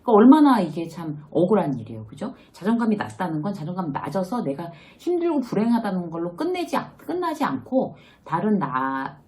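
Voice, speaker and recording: A woman's voice: lowish voice, dark tone. A middle-aged woman teaching a casual lesson on self-esteem, acting out the inner voices she quotes. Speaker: workplace lecturer and author.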